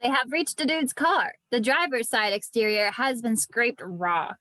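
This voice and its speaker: A woman's voice: on the high side, unhurried, bright, forceful tone, dry recording. A woman narrating scripted stage directions at an amateur table read.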